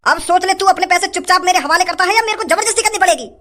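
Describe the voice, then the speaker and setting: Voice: very high voice, rapid-fire, fairly bright tone. A performer doing a blustering gun-toting goon. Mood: threatening. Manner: threatening, bragging. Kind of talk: comedy skit voicing.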